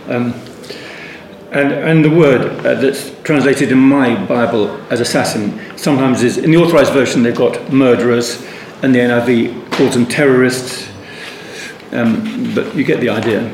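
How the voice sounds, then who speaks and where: A man's voice: medium pitch, unhurried, long pauses, a little mellow. Man teaching Bible study, echoey room. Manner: rambling, thoughtful, frequent restarts and asides. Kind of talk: unscripted Bible study talk. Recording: echoey room with faint ambient noise.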